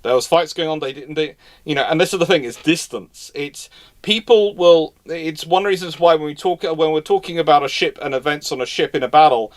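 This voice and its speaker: A man's voice: fairly high pitch, a little fast. Man casually fielding history questions live. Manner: rambling, repeats and restarts phrases, informal expert. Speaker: host answering audience questions.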